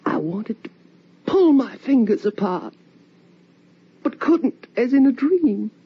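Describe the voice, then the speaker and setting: Slow, haunted ghost of a mother. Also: a little high, sing-song, husky, heavily acted. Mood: hushed dread. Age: middle-aged. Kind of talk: radio drama monologue. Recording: dull, noisy old-time radio recording.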